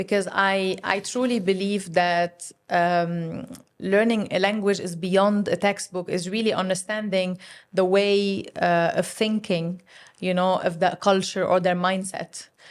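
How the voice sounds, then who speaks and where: In a flat monotone, a woman speaks at a fairly slow pace with a medium pitch. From Canada, Lebanese family. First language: Arabic and French. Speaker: pediatric dentist. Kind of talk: interview. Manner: hesitant, many fillers.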